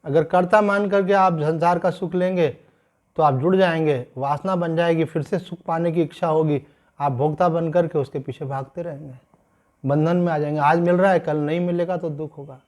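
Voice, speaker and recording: A man, a swami giving a sermon-style scripture discourse, explaining calmly and slowing down to stress key points. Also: fairly high pitch. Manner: calm explanatory teaching, mixing in English phrases, slows to stress points.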